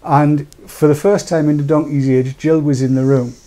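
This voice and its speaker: Croaky chatty older man. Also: a little high, flat delivery, moderate pace, warm tone. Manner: chatty, jokey, rambling. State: croaky after dental work. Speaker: host. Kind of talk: casual chat. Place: small studio with dark backdrop. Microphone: lapel.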